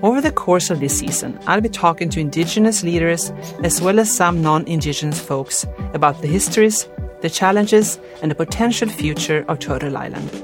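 A woman from Sweden with a Swedish accent, hosting a podcast in a measured, clear way. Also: lowish voice, over music. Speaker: podcast host. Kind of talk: scripted intro and interview questions.

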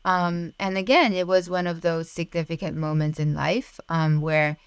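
A woman's voice: on the low side, steady tone, moderate pace, clean tone, no room sound. A woman guest on a podcast telling a personal story reflectively.

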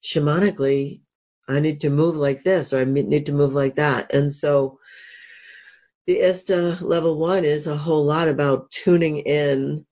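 A woman with a cold and a gravelly voice, a coach talking as an interview guest, enthusiastic, with fillers and restarts. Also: sits low, steady tone, moderate pace, warm tone. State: has a cold. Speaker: sex and happiness coach, guest. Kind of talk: casual interview talk.

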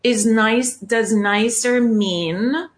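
A woman's voice: fairly high pitch, very slow. An American woman in her fifties hosting an interview, talking in a chatty, personal way and laughing often. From United States. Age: 50s. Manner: warm chatty, laughs often, talks about herself. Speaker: podcast host. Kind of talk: casual interview chat.

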